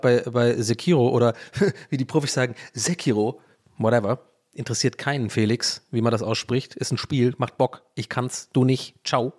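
A man's voice: mid-range voice, a little mellow. A man hosting a solo podcast in casual chat, rambling and joking at his own expense, often losing his thread. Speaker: podcast host. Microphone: home podcast mic recorded in Audacity.

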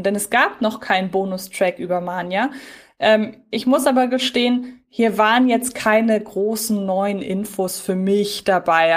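A woman from Germany co-hosting a podcast in a casual, conversational style. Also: mid-range voice. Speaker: podcast co-host.

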